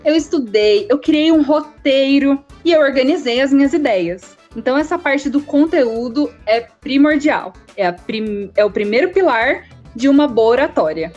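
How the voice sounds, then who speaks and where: Young Brazilian woman, podcast guest, didactic explainer, high voice, faint music behind. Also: lively intonation, normal speed, hardly any pauses, a little mellow, dull audio. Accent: Brazilian Portuguese. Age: young adult. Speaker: guest speech therapy student.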